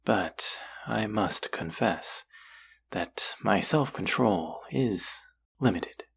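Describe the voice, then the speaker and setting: A man playing a courtly, possessive demon in a roleplay audio drama, speaking formally and deliberately in a husky, gravelly voice. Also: lowish voice, lively intonation, a bit bright, full character voice. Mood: hungry, seductive. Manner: formal, slow, deliberate, coaxing. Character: possessive, courtly male demon who hungers for hearts. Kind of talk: scripted roleplay audio drama addressed to the listener.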